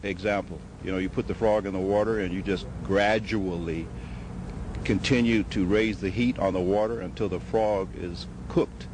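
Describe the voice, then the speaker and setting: A man is interviewed outdoors in a city. His voice is deep, and he explains things in a halting, deliberate way. Traffic noise is clearly audible around him. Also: steady tone. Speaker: interviewee, researcher. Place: outdoors, urban.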